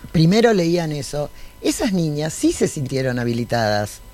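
A woman's voice: deep voice, very animated, moderate pace, warm tone. An Argentine woman, a cartoonist, talking emphatically and passionately on a panel. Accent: Argentine Spanish. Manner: passionate, emphatic, often laughing. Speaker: guest cartoonist. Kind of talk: panel conversation.

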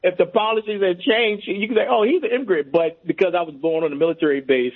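A man's voice: sits high, quick pace. A man calling in to a radio show, speaking earnestly and repeating himself for emphasis. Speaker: caller. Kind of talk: call-in radio. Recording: tinny phone line.

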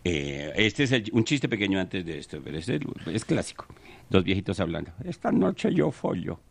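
Deep, lively joke-teller. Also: male voice, fairly quick, creaky. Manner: rambling storyteller, laughs at own jokes. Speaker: radio comedian. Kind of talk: joke-telling on radio comedy.

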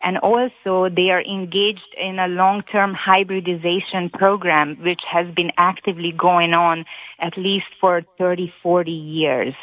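A woman's voice: lowish voice, fairly even intonation, dry recording. Hungarian woman calling in by phone. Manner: earnest, halting with many fillers. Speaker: caller. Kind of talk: call-in radio talk. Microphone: telephone. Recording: tinny phone line.

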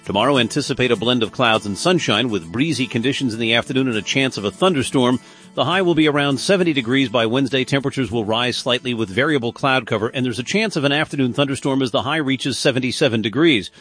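A man reading a radio weather forecast briskly as a meteorologist. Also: mid-range voice, a bit bright, husky, soft background music.

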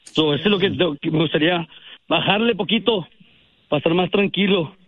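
Joven de veintitantos al teléfono, voz algo aguda, educado y titubeante, línea apagada. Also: male voice, sits high, a little fast. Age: 20s. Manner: polite, hesitant, many fillers. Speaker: radio caller. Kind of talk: answering questions on a call-in show. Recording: dull phone line.

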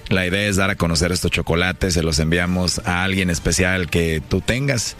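A man on a radio show making a prank phone call, posing as a smooth, flirty salesman. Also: low voice, moderate pace, a bit bright, soft background music.

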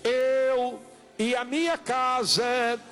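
A Brazilian man preaches in a high voice, as a pastor at an altar call. He exhorts insistently, repeating short appeals and stretching out key words in the Portuguese of Brazil. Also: steady tone, fairly bright tone. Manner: insistent, repetitive exhortation with drawn-out calls. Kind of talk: evangelical sermon, altar call and prayer.

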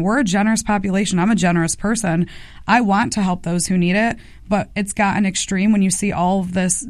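A woman's voice: mid-range voice, a little mellow, dry recording, studio quality. A woman in her thirties, a congressional candidate, answering policy questions in a radio interview with assertive talk. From United States. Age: 30s.

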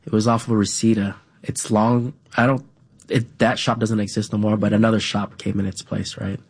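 A man who grew up speaking Vietnamese at home, talking as an interview guest in a halting way, with many fillers and an added "right?". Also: fairly low pitch, level tone, husky. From United States. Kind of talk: casual conversational interview.

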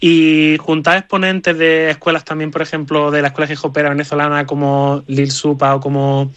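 A man's voice: fairly high pitch, flat delivery, moderate pace, fairly bright tone, no room sound, lo-fi sound. A man, a band member giving enthusiastic, rambling answers in a radio interview.

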